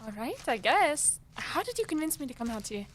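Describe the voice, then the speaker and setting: A woman's voice: high-pitched, very animated, brisk. A woman playing an anxious, questioning young girl in a fairy-tale radio play, with a chatty modern delivery. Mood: doubtful. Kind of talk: live student radio play acting.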